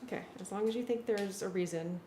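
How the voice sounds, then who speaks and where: A woman with a medium-pitched voice chats casually while working through arrangements. She is recorded in an echoey room. Noise is clearly audible behind her. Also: fast talker. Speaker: music arranger working with a collaborator.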